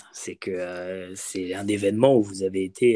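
On a very clean recording with a silent background, a man speaks with a dark, mellow tone at a fairly low pitch. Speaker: podcast host. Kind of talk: interview.

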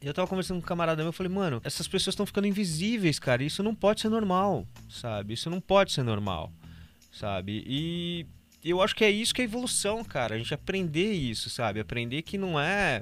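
Very wide pitch swings from a man, high-pitched, at a fairly quick pace. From São Paulo state, Brazil (Taubaté). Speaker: videographer. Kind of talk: casual chat.

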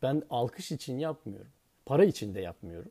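This man's voice has a dark, mellow tone at medium pitch. His pitch swings very widely. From Turkey, Ankara. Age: 40s. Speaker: podcast host. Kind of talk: solo podcast monologue. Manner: hesitant, many filler sounds.

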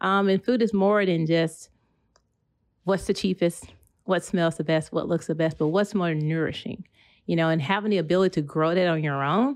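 Against a quiet background, a woman with an American accent speaks at a moderate pace in a fairly low pitch with ordinary pitch variation. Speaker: dietitian podcast host. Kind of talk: interview. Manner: halting, many fillers.

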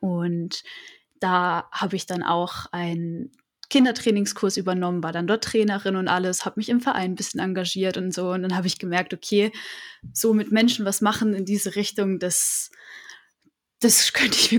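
With an unremarkable speaking voice, a woman talks at a medium pitch and a moderate pace. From Freiburg, southwestern Germany. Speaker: recent school graduate. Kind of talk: interview.

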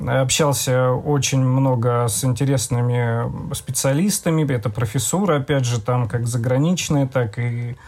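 A man speaks with a somewhat breathy voice at a medium pitch and with ordinary pitch variation. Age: 30s. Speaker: sports doctor, orthopedic traumatologist. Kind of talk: interview on sports medicine.

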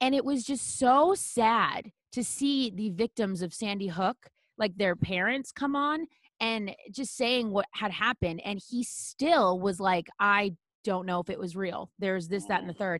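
Against a quiet background, a woman with an American accent and a normal speaking voice talks at a fairly slow pace, using a medium pitch and lively intonation. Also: dry, close sound with no echo. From Dighton, Massachusetts. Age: 20s. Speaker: former radio host, podcaster. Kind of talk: casual chat.

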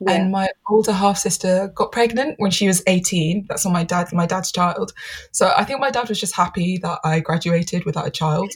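A woman in a London accent, with ordinary pitch variation. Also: medium pitch for a woman, moderate pace. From South London (born in Ghana, moved at three). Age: 20s. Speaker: podcast commissioner. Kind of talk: casual chat.

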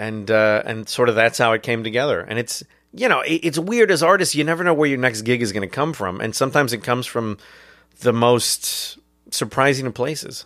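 The intonation rises and falls in a lively way. An American accent comes through. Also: man, medium pitch for a man, fairly quick pace. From San Diego, California. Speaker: humorist and comedy writer. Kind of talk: interview. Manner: fast.

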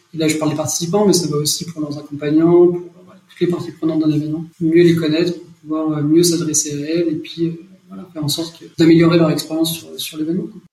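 In a room with audible echo, a man talks fast-ish at a fairly high pitch, with big swings in loudness. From Savoie, France. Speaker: event operations director. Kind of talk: podcast interview.

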